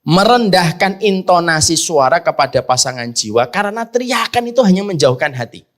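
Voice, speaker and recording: A man preaching a sermon in an animated way, asking rhetorical questions and swinging between loud emphasis and soft asides. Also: sits high, fairly quick. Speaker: Islamic preacher.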